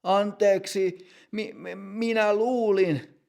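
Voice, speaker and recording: A man's voice: high voice, steady tone, creaky, darkish tone, pitched above the performer's own voice. A man voicing a nervous young man who stammers and gets flustered in a short lesson dialogue. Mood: hesitant.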